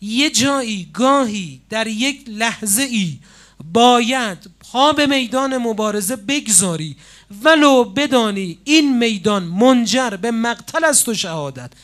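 A man preaching a sermon with passion, pausing for drama and swinging suddenly between loud and quiet. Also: extremely high pitch, expressive. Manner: impassioned, with dramatic pauses and sudden swings in loudness. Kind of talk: religious sermon.

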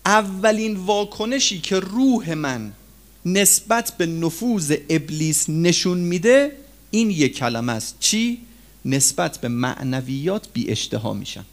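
A man preaching a sermon to his listeners, with sudden loud rises and low drops as he addresses them as friends. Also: lively intonation. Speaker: cleric preacher.

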